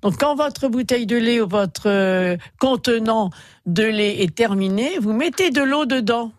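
A woman, a gardening expert on a radio call-in show, giving brisk step-by-step advice to a caller from the studio. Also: on the high side, dry recording. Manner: brisk, lively, gives step-by-step tips.

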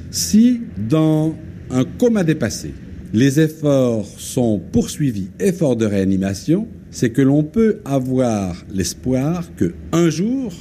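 A man's voice: mid-range voice, dark tone, a little hiss or hum. Man on old worn 1960s tape. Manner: measured, deliberate, with long pauses. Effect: old worn archive tape from a 1963 broadcast. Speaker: hospital intensive care physician. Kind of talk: formal 1960s radio statement.

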